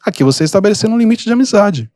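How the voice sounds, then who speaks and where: A calm man hosting a podcast, giving relaxed advice with lots of everyday examples. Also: high voice, no echo, studio quality. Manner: calm, unhurried, gives examples. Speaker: podcast host and mentor. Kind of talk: casual advice talk.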